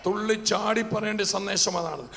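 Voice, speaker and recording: A man's voice: high-pitched, normal speed, vocal fry, bright, forceful tone. A man preaching a fervent sermon to a congregation, his voice swelling and falling. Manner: fervent, rising and dropping in volume. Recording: hall reverb with faint background noise.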